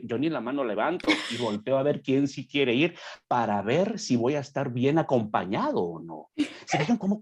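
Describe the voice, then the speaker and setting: A man's voice: fairly high pitch, darkish tone, slight background noise. A young man speaking as a guest on a podcast, preaching earnestly and acting out quoted voices as he explains a point.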